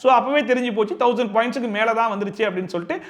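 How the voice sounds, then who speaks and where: High-voiced fast-talking male show reviewer. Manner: sarcastic, animated, rhetorical questions. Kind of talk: fast opinionated commentary.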